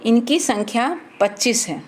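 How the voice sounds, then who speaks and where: A woman's voice: on the high side, animated, measured pace. A woman teaching a children's grammar lesson, reading out letters and example words one at a time.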